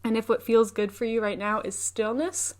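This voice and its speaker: Gentle woman guiding a meditation. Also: fairly high pitch, fairly even intonation. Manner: gentle, unhurried, soothing instruction. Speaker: meditation teacher. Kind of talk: guided meditation narration.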